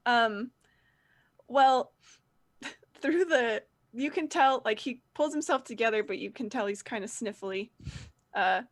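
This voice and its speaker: A woman's voice: fairly high pitch, slow, long pauses, no room sound. A woman narrating as game master, loose and chatty with fillers and laughs.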